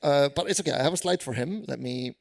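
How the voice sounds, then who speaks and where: A man's voice: fairly high pitch, fast, creaky. A man with an Icelandic accent, a programmer presenting tips on stage at a conference in a casual, self-deprecating way with many fillers. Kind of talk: live conference tech talk.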